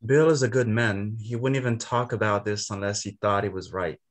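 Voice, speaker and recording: A man's voice: lowish voice, fairly quick, close to an everyday voice. A man reading the part of an earnest, proud miner and father, plain-spoken in rural Southern vernacular, in a drama table read. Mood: earnest, insistent.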